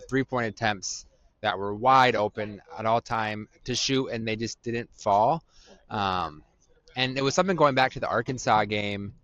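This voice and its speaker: A man co-hosts a sports podcast, breaking down play in a measured, analytical way and pausing often on "um". His voice is dry, with no room around it. The audio sounds dull and lo-fi. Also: mid-range voice, a bit bright, dry recording. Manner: measured and analytical, with frequent "um" pauses. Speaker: podcast co-host.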